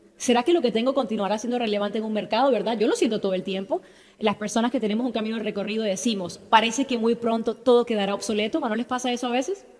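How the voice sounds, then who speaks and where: This woman speaks at a very fast pace. Her fairly high voice shows ordinary pitch variation. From Colombia, Barranquilla. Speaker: business speaker. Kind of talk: conference talk. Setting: stage with audience. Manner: animated.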